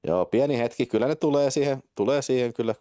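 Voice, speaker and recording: A man hosting a live stream, chatting casually with viewers and swearing at his own slips, then calling a game's events in quick excited play-by-play. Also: no echo. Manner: swearing, self-mocking, jumps to excited high-pitched play-by-play. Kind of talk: casual live-stream chat and game commentary.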